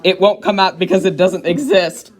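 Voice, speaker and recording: A man voicing a stubborn, indignant storybook character who is dismissive and flatly insistent, in a playful dramatic reading. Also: high voice, normal speed, faint music behind, close to an everyday voice. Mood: dismissive arguing. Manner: emphatic, contrary, flatly insistent.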